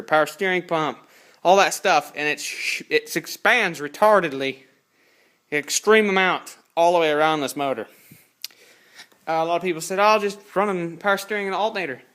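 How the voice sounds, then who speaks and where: A man's voice: a little high, a bit bright, clear, resonant tone. An eighteen-year-old man casually walking through his car project in a home garage, rambling and correcting himself as he films on a phone. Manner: rambling, self-correcting, plain-spoken. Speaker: hobby car builder. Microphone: handheld phone camera.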